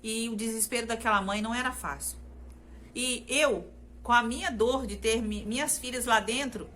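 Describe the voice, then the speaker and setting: A woman's voice: on the high side, moderate pace, fairly bright tone, a little hiss or hum. A woman from Brazil sharing a personal faith testimony in an earnest, repetitive way, often turning to her listeners directly. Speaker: testimony speaker.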